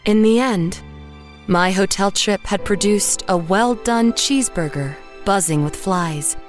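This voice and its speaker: An actress playing a haunted woman painter who narrates horror in a measured, literary way. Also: mid-range voice, soft background music, close to an everyday voice. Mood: grim, resigned. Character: haunted woman painter narrating her own murder, dazed and grim. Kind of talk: first-person horror audio drama narration.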